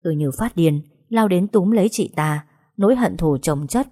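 A woman telling a first-person story in a measured, dramatic reading. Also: on the low side, lively intonation, dark tone.

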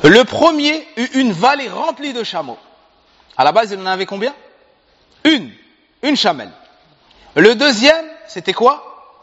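A man preaching a sermon as a story, animated and asking his listeners questions. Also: very high voice, unhurried, long pauses. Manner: animated, asks the audience questions. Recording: reverberant hall, dull sound.

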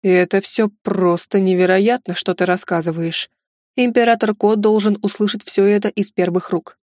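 A woman's voice: medium pitch, fairly even intonation, normal speed, a little mellow, no room sound, clean studio sound, lightly acted. A woman reading the part of a dignified Chinese military commander in an audiobook, speaking formally.

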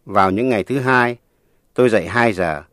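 A man teaching a language lesson on the radio in a measured, explanatory way, reading scripted narration. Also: fairly low pitch, a bit bright, dry recording, clean studio sound.

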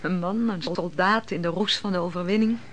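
An actress playing a composed, questioning woman of biblical times in a radio drama, speaking formally and deliberately. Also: lowish voice, slight background noise, natural voice. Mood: soothing. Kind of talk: theatrical radio drama dialogue.

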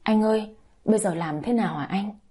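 A woman's voice: medium pitch, brisk, dark tone, husky, lightly acted. A woman voicing a heartbroken young wife who pleads through tears, in a read-aloud story. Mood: tearful. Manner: tearful, pleading.

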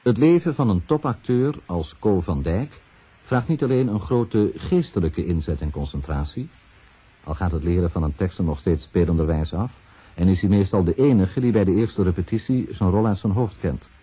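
Low husky male narrator on old radio. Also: dark tone. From Netherlands. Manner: measured, enumerating in short phrases. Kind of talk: scripted documentary narration. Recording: dull 1970s radio recording.

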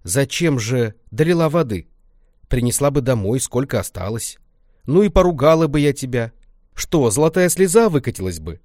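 Old village grandmother, loud and scolding, warm underneath, lively voice, dry close sound; a man acts her out. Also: medium pitch, normal speed, no room sound, pitched above the performer's own voice, natural voice. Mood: softened chiding. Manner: shouting, folksy scolding.

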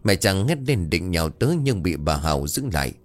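Deep-voiced man narrating a horror story. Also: big pitch swings, a little fast. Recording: faint background music.

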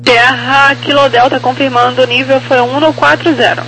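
Over a slightly noisy radio, a Brazilian male air traffic controller speaks in a very high, bright voice. He gives clearances in clipped, procedural phrases. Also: level tone, moderate pace. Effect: aviation radio. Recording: faintly noisy radio transmission with hum.

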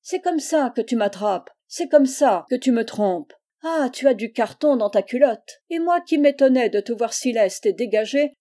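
A woman's voice: mid-range voice, close to an everyday voice. A woman voicing a miserly, scolding old cousin. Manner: scolding, sharp, loud. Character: stingy, cruel older woman cousin.

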